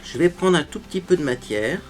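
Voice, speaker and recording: A man's voice: a little high, lively intonation, fairly quick, faint music behind. A man hosting a makeup tutorial, chatting to viewers as he explains each step. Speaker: beauty tutorial host. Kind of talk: casual makeup tutorial talk.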